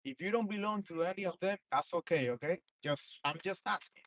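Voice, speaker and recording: Cuban-born man, calm and probing. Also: sits high, a little fast, slight background noise. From Cuba. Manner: probing, placating. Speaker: passerby questioner.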